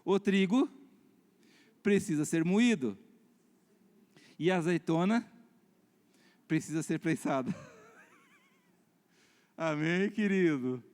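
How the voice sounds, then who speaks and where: A Brazilian man preaching a sermon as pastor, switching between loud, animated preaching and quiet storytelling. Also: a little high, takes it slowly, pauses often. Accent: Brazilian Portuguese. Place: church hall. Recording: reverberant church hall.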